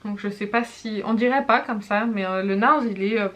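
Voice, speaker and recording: A woman beauty vlogger casually reviewing makeup products to camera, chatty and full of hesitations, pausing to demonstrate as she talks. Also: mid-range voice, heavy background noise. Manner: chatty, frequent hesitations and self-corrections; demonstrates products while talking.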